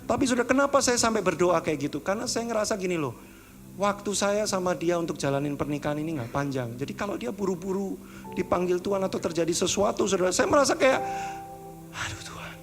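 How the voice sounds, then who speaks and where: Pastor, male, chatty sermon style, moves between pleading highs and hushed lows, fairly high voice, music underneath. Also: animated, quick pace. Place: church service.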